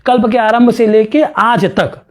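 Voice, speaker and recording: A male professor lectures on a classical astronomy text, reading verses slowly and then unpacking them with rhetorical questions and chuckling asides. His voice is extremely high-pitched, with a steady tone.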